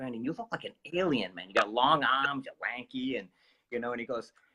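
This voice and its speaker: With a Boston accent, a man talks at a very fast pace in a bright, sharp tone, at medium pitch with ordinary pitch variation. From Boston area, Massachusetts. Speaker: martial arts instructor. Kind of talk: interview conversation. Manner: fast talker; animated, repetitive false starts.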